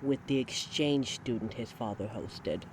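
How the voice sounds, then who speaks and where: A man's voice: medium pitch, a little slow, a little hiss or hum, natural voice. A man voicing a guarded, blunt werewolf in a scripted audio drama. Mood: subdued. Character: guarded werewolf searching for a stolen mate.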